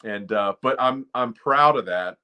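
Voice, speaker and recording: A man's voice: mid-range voice, measured pace, pushed and bright, clear, resonant tone. A man in his forties, a former ballplayer turned broadcaster, chatting and telling self-deprecating stories as a guest on a podcast. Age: 40s. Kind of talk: casual storytelling interview.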